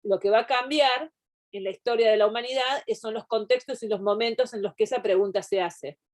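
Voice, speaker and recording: A woman's voice: a little high, a little fast, darkish tone. A woman teaching a university class over a video call, explaining at length with frequent digressions and restarts. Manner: digressive, explanatory, thinks aloud. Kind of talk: online class lecture.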